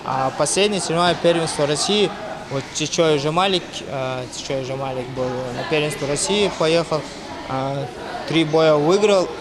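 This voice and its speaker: In a training gym, a martial arts coach with a fairly high-pitched voice calls out counts and short commands to his fighters against a noisy background. He also answers interview questions, pausing hesitantly.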